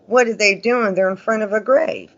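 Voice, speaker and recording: Speaking at a moderate pace, a man with a high, slightly bright voice and fairly even intonation spins casual stories as an interview guest. He's a paranormal investigator with a folksy, chatty manner who frequently acts out quoted remarks, and the audio is dull and lo-fi.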